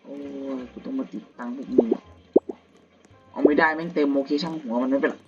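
A young man, still a student, giving casual gameplay commentary at home at night, slangy and crude with excitable outbursts. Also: medium pitch, brisk, breathy edge. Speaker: gamer. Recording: dull lo-fi audio with game music.

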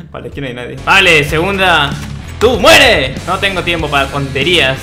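Excitable young man gaming, faint music. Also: a little high, moderate pace. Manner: excitable, shouting at enemies, comic. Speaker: gaming youtuber. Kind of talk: playing a game.

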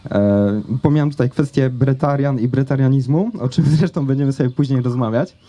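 Mellow-voiced young man telling his story. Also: medium pitch, a little fast. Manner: conversational with many fillers and hesitations. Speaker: speaker giving a talk. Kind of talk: personal story told to an audience. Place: outdoor festival stage. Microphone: handheld microphone.

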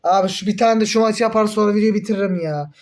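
Young man, high-pitched voice, casual gameplay commentary, excitable, grumbling, frustrated outbursts. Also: fast talker. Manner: excitable, swears and groans when frustrated. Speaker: mobile game streamer.

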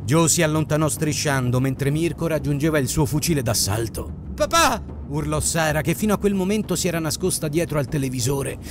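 A man's voice: on the high side, a little fast, few pauses. Man narrating an audiobook over music. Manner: dramatic, expressive reading. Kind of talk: scripted narration.

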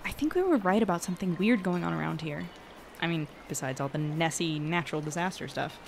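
A woman's voice: lowish voice, lively intonation, brisk, creaky, slight background noise. A woman playing an uneasy, thoughtful investigator in an audio drama, speaking casually and naturally.

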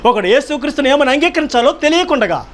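A man's voice: very high-pitched, very animated, fast, fairly bright tone. A man pastor delivering a sermon, emphatic, firing rhetorical questions and repeating key phrases.

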